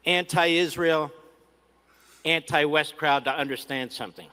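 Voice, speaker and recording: A man gives a combative, taunting speech in a clip. His tone is bright and forceful. The sound carries a long reverb. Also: on the high side, a little slow. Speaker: commentator in a played clip. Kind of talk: defiant speech.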